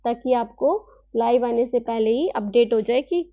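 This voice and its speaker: Female online teacher, high voice, dry and dull lo-fi audio, patient explainer. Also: steady tone, no echo. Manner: explains slowly, reads English lines then explains in Hindi; asks rhetorical questions, tag "है ना". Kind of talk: online class lecture.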